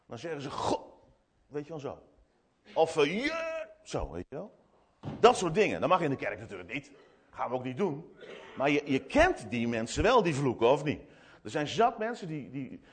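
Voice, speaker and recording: A man giving an animated children's sermon in church, retelling a story with many restarts and asides. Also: a little high, husky. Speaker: preacher speaking to children.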